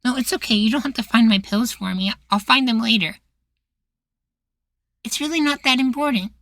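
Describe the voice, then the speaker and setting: Woman as a meek futuristic boywife, high voice, dry close recording, hesitant, curious, sweet, ASMR roleplay. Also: normal speed, dry recording. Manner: hesitant, soft-spoken pleading, trailing questions.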